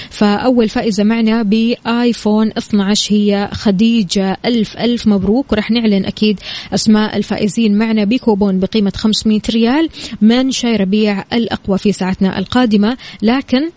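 A woman presenting a morning radio show in an upbeat, expressive, chatty way, talking straight to listeners. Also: medium pitch, dry recording. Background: music bed under the voice.

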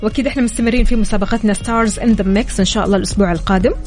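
A woman's voice: mid-range voice, very fast, a little mellow. A woman co-hosting a radio morning show, chatting playfully and announcing contest business. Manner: playful, bantering. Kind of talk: lively casual radio chat and contest announcing. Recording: music bed behind the voice. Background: music.

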